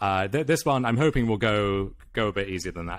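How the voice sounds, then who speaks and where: Fairly quick speech in a British accent with ordinary pitch variation, in a very clean recording over a silent background. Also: man. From UK. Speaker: pro gamer and content creator. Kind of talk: interview conversation. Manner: halting, frequent restarts.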